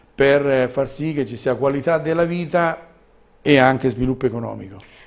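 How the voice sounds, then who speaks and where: Using a normal speaking voice, a man talks at a fairly slow pace with medium pitch and fairly even intonation. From Marche. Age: 60s. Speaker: mayor. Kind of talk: TV interview. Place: studio. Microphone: lapel.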